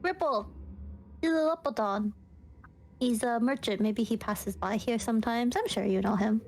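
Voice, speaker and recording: High-voiced woman playing a tabletop game. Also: moderate pace, a little mellow. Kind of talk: casual in-character improvised dialogue.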